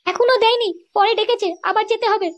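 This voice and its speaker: A woman voicing a sly, scheming young cartoon wife, brazen and coaxing, in a squeaky processed voice. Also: fairly even intonation, fast.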